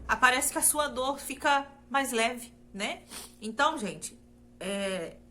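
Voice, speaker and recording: A woman's voice: high voice, expressive, slow pace, pushed and bright, a little hiss or hum. A woman from Brazil sharing a personal faith testimony in an earnest, repetitive way, often turning to her listeners directly. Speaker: testimony speaker.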